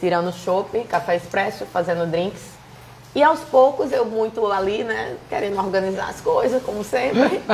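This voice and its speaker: A woman speaks at a medium pitch with lively intonation. Noticeable noise sits in the background. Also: moderate pace. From Brazil, Recife (Pernambuco). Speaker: cultural producer. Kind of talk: casual interview chat. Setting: bar.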